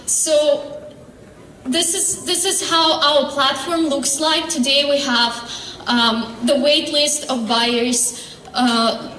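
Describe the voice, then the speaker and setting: Startup founder, woman, high voice, earnest pitch with frequent pauses and fillers, heard from afar. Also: a bit bright, slight background noise. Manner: earnest, halting with fillers and restarts. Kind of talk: pitch presentation and Q&A. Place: convention hall stage. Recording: echoey hall, distant mic.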